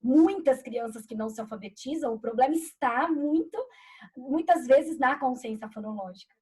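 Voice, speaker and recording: A woman teacher in a live discussion, giving lively, concrete classroom examples to explain a literacy concept. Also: sits high, normal speed, slightly rough.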